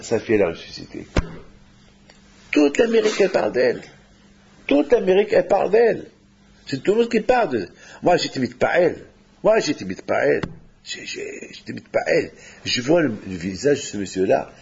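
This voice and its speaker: Animated preacher man, dull lo-fi recording. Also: slightly rough. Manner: animated, rising to high exclamations then dropping low. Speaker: rabbi. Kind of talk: sermon.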